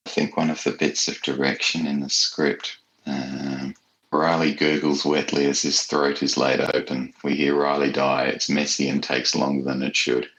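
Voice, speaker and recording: A man's voice: extremely low pitch, little pitch movement, moderate pace, a bit bright, poor audio. A man chatting casually as an interview guest, reflective and appreciative, feeling his way through his thoughts. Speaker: writer, podcast guest.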